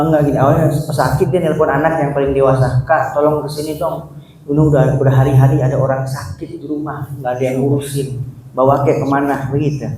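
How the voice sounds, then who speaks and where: A man's voice: fairly high pitch, dark tone, distant mic. A man preaching an Islamic study sermon, telling a story and acting out the characters' lines. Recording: echoey hall, mic from afar, faint noise.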